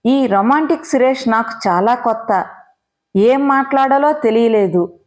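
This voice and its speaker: A woman narrating a first-person story in a measured, reflective way. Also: on the high side, a little mellow.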